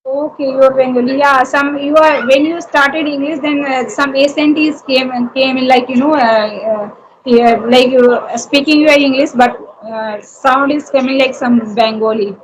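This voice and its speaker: Hindi-native woman with an Indian accent, high-pitched, halting and filler-heavy; conversation practice, faint hiss behind. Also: fairly even intonation, poor audio. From Uttar Pradesh, India. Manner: halting, many fillers and restarts. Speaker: homemaker and YouTuber practising English.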